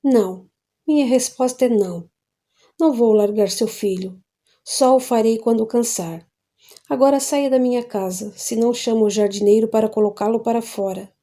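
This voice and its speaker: A cynical, insolent woman answers with scornful mockery, as a woman reader voices her. The voice is a little high and mellow in tone. It is an audiobook reading. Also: normal speed. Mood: mocking. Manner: mocking and cynical. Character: cynical mocking woman, married lover.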